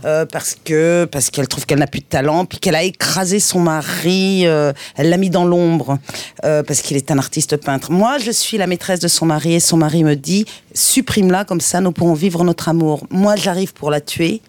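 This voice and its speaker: A woman's voice: on the low side, moderate pace, darkish tone, no room sound. Self-mocking woman guest, dry studio sound. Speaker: guest, playwright and actress. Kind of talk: casual talk show interview.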